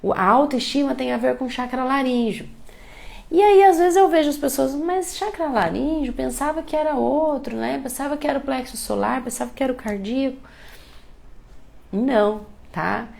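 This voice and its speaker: Brazilian woman teaching on a live stream, has a cold, kinda gravelly and a bit high, keeps saying "né?". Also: moderate pace, a little mellow. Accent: Brazilian Portuguese. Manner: explanatory, repeats questions, tag "né?". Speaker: therapist teaching chakras. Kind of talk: live online talk to followers.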